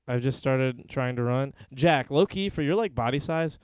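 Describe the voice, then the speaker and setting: A man's voice: medium pitch, clean tone, dry recording. A young American man co-hosting a casual podcast, swearing and laughing often as he chats and reads the live chat. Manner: profane, laughs often, fast and animated. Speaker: podcast co-host.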